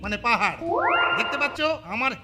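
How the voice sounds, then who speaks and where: A man voicing a pompous, rambling mountaineering instructor in a comedy cartoon, lecturing haltingly over music. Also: sits high, very noisy, lightly acted. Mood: self-important. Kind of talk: Bengali comedy cartoon dub.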